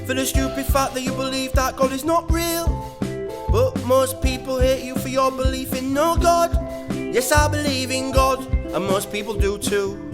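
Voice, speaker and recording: A woman's voice: high voice, moderate pace. A woman reading a viewer comment aloud. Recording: loud hip hop music under voice.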